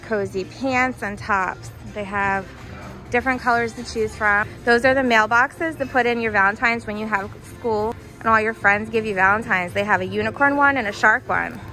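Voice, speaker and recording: Casting: young American woman, high voice, gushing casual shop-along vlogger, music underneath. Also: normal speed, pushed and bright, poor audio. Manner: enthusiastic, gushing over items. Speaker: shopping vlogger. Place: inside a discount retail store. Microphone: handheld camera or phone, held by the speaker.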